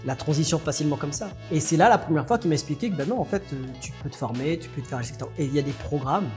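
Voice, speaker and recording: A Frenchman appears as a guest on a podcast interview, recounting his story in a relaxed, halting manner and often starting over. His voice sits a little high, and soft music plays in the background.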